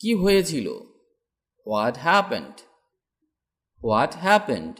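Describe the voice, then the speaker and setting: Male English tutor, slow drill delivery, lively rising and falling pitch, each sentence said twice. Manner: reads each English sentence slowly twice after the Bengali one. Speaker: English teacher.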